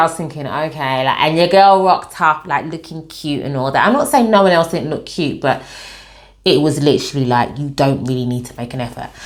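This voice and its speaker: Very fast and lively in intonation, a woman with a London accent speaks at a fairly low pitch with big swings in loudness. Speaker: vlogger. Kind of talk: casual storytime monologue.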